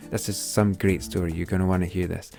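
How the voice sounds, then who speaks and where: A man's voice: deep voice, level tone, fast, vocal fry, over music. A man hosting a podcast, enthusiastic, with fillers and some hesitation. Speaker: podcast host. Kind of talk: podcast intro and interviewing.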